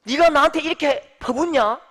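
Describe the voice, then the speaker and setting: A man voicing an exasperated God who scolds a complaining prophet in a gruff Daegu dialect. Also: very high-pitched, moderate pace, a bit bright, voice pushed up. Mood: indignant.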